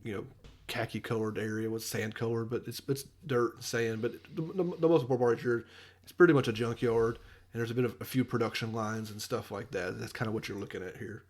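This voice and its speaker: Fast-talking man on a gaming podcast. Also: medium pitch, fairly even intonation. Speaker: podcast co-host. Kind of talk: casual gaming podcast chat.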